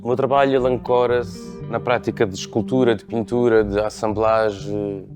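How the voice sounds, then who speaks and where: A man's voice: lowish voice, fairly even intonation, moderate pace. Portuguese man with music behind. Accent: European Portuguese. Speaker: sculptor and painter. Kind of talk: artist talking about own work.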